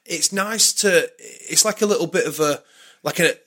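A man's voice: a little high, moderate pace, fairly bright tone. A man talking casually and informally as a guest on a podcast, in a blokey way. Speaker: podcast guest, former athlete.

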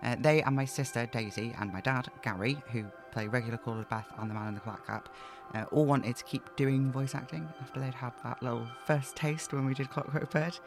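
A man's voice: mid-range voice, brisk, music in the background. A man speaking informally as an audio drama creator hosting a chatty question-and-answer podcast. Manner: informal, conversational.

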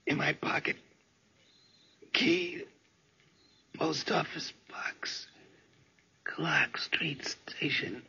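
An actor playing a stabbed, dying shopkeeper in a 1940s radio crime drama, gasping for breath and struggling to speak. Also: male voice, fairly high pitch, very slow, pauses often, sharp tone, whispered, heavily acted. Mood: gasping, desperate. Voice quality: husky, gravelly, breathless. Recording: dull lo-fi 1940s radio recording.

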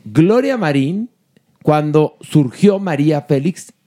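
Playful Mexican man, slightly high voice. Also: expressive, slow, dark tone. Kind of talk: comedy banter.

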